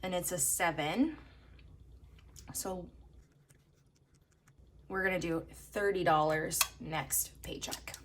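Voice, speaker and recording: A young woman from Canada talks casually and counts cash aloud in a steady rhythm, her voice a little hoarse from a coming cold. She sits a touch low for a woman. A faint hum of room ambience runs underneath. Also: slow, pauses often. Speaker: budgeting vlogger.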